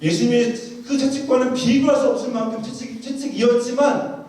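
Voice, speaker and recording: A man preaching in a large church, his high voice ringing through a very echoey hall. He sounds set back from the microphone, and he tells his story vividly, acting out what the people in it said. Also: steady tone, a little fast, a little mellow, far from the mic. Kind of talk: sermon with storytelling.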